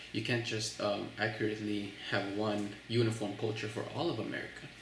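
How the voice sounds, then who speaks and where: A man with a fairly low pitch and a slight Filipino accent talks at a fairly quick pace in a monotone, flat way. Noticeable background noise and audible room echo fill the recording. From Philippines, moved to Corpus Christi, Texas as a child. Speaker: immigrant interviewee. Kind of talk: interview. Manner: casual, with many fillers.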